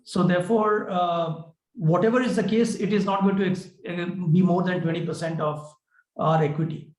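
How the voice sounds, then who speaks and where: A man with an Indian accent answering questions as a company executive on an earnings call, explaining in a measured, hesitant way. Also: sits high, steady tone, darkish tone. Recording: roomy, echoing conference call.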